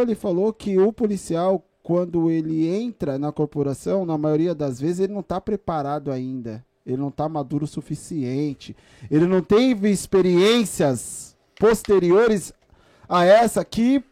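A man's voice: high-pitched, mellow, no echo. A man with a São Paulo Brazilian accent co-hosting a podcast in casual, slangy talk, repeating phrases for emphasis. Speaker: podcast co-host.

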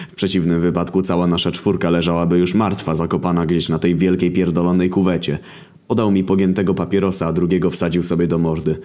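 A man narrating a crude comic story in a deadpan, sardonic way. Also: low voice.

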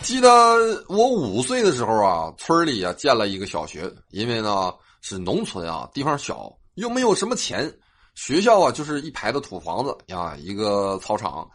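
A young man, hosting a comic storytelling monologue with a sing-song delivery and drawn-out particles. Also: lowish voice, huge pitch swings, faint music behind. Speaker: host.

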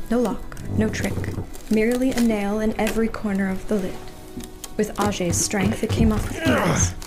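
A woman's voice: medium pitch, fairly even intonation, moderate pace. Suspenseful female game master narrating over music. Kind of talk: atmospheric horror fiction narration.

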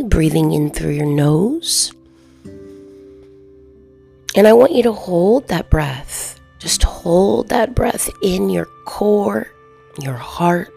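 Female meditation guide, very slow and soothing, soft half-whispered delivery, lowish creaky voice, faint music underneath. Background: soft background music.

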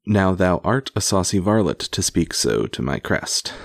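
A man's voice: low-pitched, sing-song, unhurried, vocal fry, no room sound, clean studio sound, exaggerated voice. A man voicing a haughty, jovial medieval bishop from a storybook, with grand archaic phrasing. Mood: stern.

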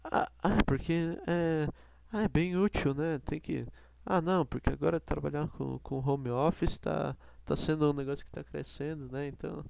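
A man voicing a weary, bored young female telemarketer who mumbles a hesitant sales pitch. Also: normal speed, creaky, dark tone, dry recording. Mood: bored, deflated.

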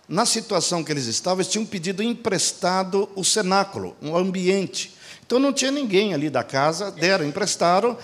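A man preaching a sermon, posing rhetorical questions to the congregation and answering them himself, and acting out quoted dialogue. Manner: acts out quoted dialogue with shifts in pitch and pace.

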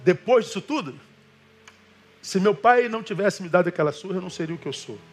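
A man's voice: high voice, quick pace, breathy edge, soft background music. A man preaching as a pastor, telling stories in a colloquial way and acting out the voices of the people in them. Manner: animated storytelling with quoted voices; colloquial, addresses listeners as brother. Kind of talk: sermon.

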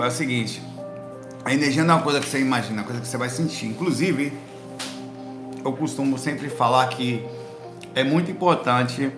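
A man with a Pernambuco accent from northeast Brazil, telling stories to camera in animated, slangy bursts. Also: medium pitch, roomy sound. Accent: Pernambuco Portuguese. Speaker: spiritual vlogger answering viewers. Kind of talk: casual talk to camera. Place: indoor room with a light behind him.

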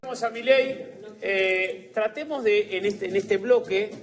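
A man with a Rioplatense Spanish accent hosting a TV panel, trying to calm things with hesitant fillers. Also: high voice, unhurried. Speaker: TV show host. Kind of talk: moderating a TV panel.

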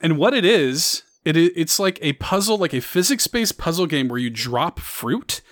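Man, podcast host, casual rambling chat, fairly high voice, dry close sound. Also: lively intonation, moderate pace, a bit bright, dry recording. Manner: rambling, many fillers, upbeat.

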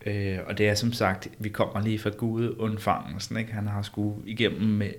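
A man co-hosting a casual chat, explaining in a relaxed way with many fillers. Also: fairly low pitch.

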